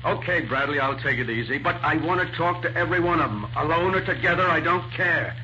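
Gruff police sergeant, higher-pitched, old radio. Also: male voice, animated, a little fast, sharp tone, slight background noise. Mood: irritated. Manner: brusque, curt, grumbling. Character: gruff, suspicious, impatient male police homicide sergeant. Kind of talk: 1940s radio crime drama acting. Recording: dull lo-fi 1940s radio recording.

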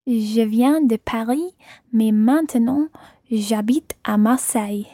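A woman's voice: a little high, warm tone, dry recording, clean studio sound. A woman taking part in a podcast language lesson as the learner, repeating phrases carefully. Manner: careful, measured repetition.

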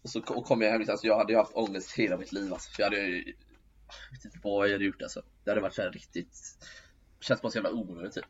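A man's voice: lowish voice, fairly even intonation, dull audio, slight background noise. A man chatting casually, rambling with many fillers. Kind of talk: casual chat.

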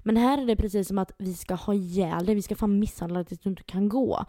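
A woman's voice: mid-range voice, no room sound. A young woman co-hosting a podcast, telling a story in casual chat and acting out the people she quotes. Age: young adult. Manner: animated retelling, acts out quoted voices. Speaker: podcast co-host.

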